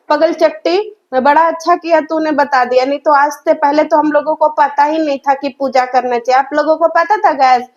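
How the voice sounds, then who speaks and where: Female reaction vlogger, high voice, sore throat, scolding and sarcastic; lo-fi dull recording. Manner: mocking, scolding, addresses viewers as guys. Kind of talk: roast reaction commentary.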